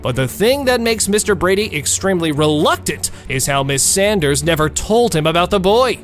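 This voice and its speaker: A man's voice: sits high, expressive, normal speed. A man reading dramatic scripted narration as a recap narrator. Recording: music bed under the voice.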